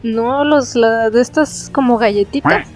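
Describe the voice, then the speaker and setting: A woman's voice: a little high, measured pace, a little mellow, soft background music. A woman co-hosting a podcast, chiming in with short remarks and giggles. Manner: short backchannels, giggly interjections. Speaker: podcast co-host. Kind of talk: casual chat.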